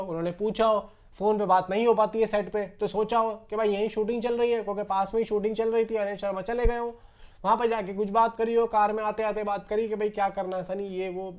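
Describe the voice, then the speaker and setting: A man's voice: sits high, darkish tone. A man giving casual film news commentary to his viewers, conversational and repetitive, addressing them directly. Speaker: YouTube film news host.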